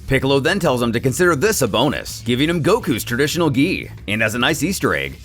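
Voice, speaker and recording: A male host reads a scripted recap with an animated, storytelling delivery and the odd casual aside. His pitch is mid-range but swings widely. Soft background music plays under his voice. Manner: lively, expressive storyteller with asides. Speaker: channel host.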